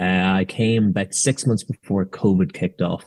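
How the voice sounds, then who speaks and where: Very deep and low in pitch, a man with an Irish accent and a dark, mellow tone speaks at a moderate pace with fairly even intonation, in a dry, close sound with no echo. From Ireland. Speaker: tech company representative, guest. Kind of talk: podcast interview.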